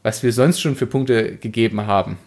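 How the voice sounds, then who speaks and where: A man's voice: fairly low pitch, moderate pace, a little mellow. A man hosting a casual book discussion, reflective and often rephrasing himself as he goes. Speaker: podcast host.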